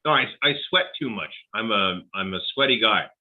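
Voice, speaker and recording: A man's voice: fairly low pitch, expressive, moderate pace. Self-deprecating man in his forties, tinny line. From Canada. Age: 40s. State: coughing, sore lungs from dust. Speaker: host. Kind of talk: casual chat. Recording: tinny phone-like call audio.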